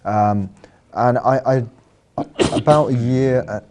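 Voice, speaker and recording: A man's voice: medium pitch, fairly even intonation, slow pace, a little mellow. A man, an artist and designer, answering interview questions thoughtfully in a studio, with frequent ums and you-knows. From London. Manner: thoughtful, uses fillers like um and you know.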